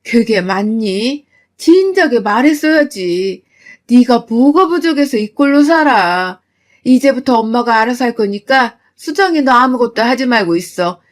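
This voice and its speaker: Lady putting on a fiery middle-aged mom, loud scolding, fiercely protective, storytime. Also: a little high, steady tone, slow pace. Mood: indignant.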